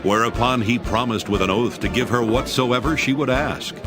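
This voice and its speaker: A man's voice: mid-range voice, moderate pace, over loud music. A man narrating scripture in a dramatic, scripted audiobook style.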